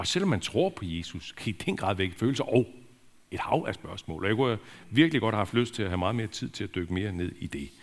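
Talking at a very fast pace, a man with a fairly low pitch uses lively intonation on a very clean recording with a silent background. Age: 60s. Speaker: pastor. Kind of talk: sermon.

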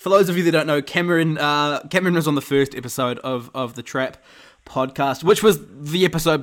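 A man with a New Zealand accent, fairly high-pitched for a man, at a fairly quick pace with ordinary pitch variation. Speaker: podcast host and van driver. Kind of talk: casual chat.

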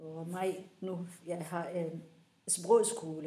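The woman's tone is dark and mellow. Audible room echo surrounds her voice. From Somalia. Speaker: refugee in language school. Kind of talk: recorded testimony. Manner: halting.

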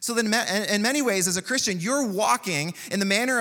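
Bright, sharp tone from a man with a Canadian accent, his voice raised and projected, the intonation lively. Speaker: pastor. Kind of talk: sermon. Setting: church. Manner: loud.

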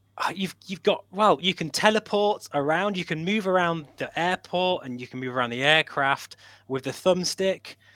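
A man with a British accent, high-pitched and bright and sharp in tone, at a moderate pace with hardly any pauses, ordinary pitch variation and big swings in loudness, in a dry, close sound with no echo on a very clean recording with a silent background. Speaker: flight sim YouTuber. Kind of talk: casual chat.

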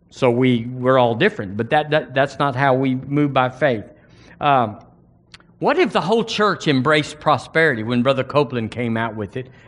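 A man with an Alabama accent speaks at a moderate pace. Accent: Southern US (Alabama). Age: 60s. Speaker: pastor. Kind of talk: sermon. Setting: church.

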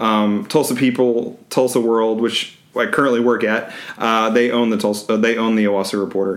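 In an American accent, a man speaks with monotone, flat intonation and very even loudness, with audible room echo. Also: medium pitch for a man, moderate pace. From Ohio, US Midwest. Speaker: newspaper editor and author. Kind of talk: interview testimony. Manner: halting, many fillers.

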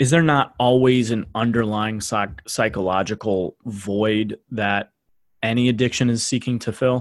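Pitched at a medium level, a man with an ordinary speaking voice talks at a moderate pace. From Canada. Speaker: podcast host. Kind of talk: podcast interview; podcast intro. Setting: call.

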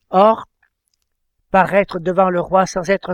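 Speaking at a very slow pace, a man with a high voice is heard in a dry, close sound with no echo. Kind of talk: homily-style scripture commentary on the radio; fervent, solemn prayer spoken aloud, reverent and pleading. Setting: radio studio broadcast. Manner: formal, measured, didactic.

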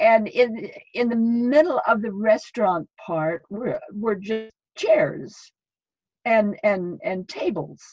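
A somewhat breathy woman's voice with an American accent, fairly high in pitch, with lively intonation at a very slow pace. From southern Idaho, US. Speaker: near-death experience researcher and author. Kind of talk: interview, storytelling. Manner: energetic, bubbly, chatty.

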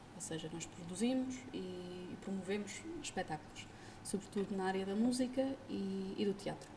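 The pace is moderate and the pitch variation ordinary. Noticeable background noise can be heard. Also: woman, medium pitch for a woman. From Portugal, Chaves (Trás-os-Montes). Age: 20s. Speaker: cultural events producer. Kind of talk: casual chat. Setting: rooftop venue.

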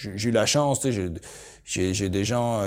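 Ordinary pitch variation runs through a man's fairly low-pitched speech. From France. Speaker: festival director. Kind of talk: interview conversation. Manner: halting, many repetitions and hesitations.

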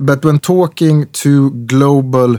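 Recorded very clean with a silent background and a dry, close sound with no echo, a man with a Swedish accent speaks at a medium pitch in a dark, mellow tone. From Sweden. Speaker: investment advisor. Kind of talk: interview. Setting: studio. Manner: halting, repeats words.

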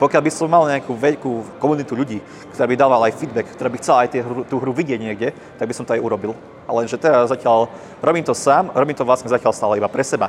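Ordinary pitch variation marks a man talking at a very fast pace amid noticeable background noise. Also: medium pitch for a man. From Slovakia. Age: 20s. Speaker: student game developer. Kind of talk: interview. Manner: halting.

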